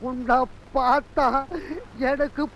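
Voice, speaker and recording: A woman's voice: high voice, level tone, slow, slight background noise, low-quality recording. An actress playing a knowing woman who mocks a boy, in film dialogue. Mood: mocking. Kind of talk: 1980s Tamil film dialogue.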